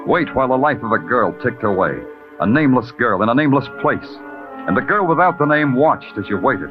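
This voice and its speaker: An actor playing a terse, hard-boiled police lieutenant. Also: male voice, medium pitch, close to an everyday voice. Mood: brooding. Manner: clipped, dry wisecracks. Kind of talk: 1940s radio acting. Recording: muffled old radio recording with music.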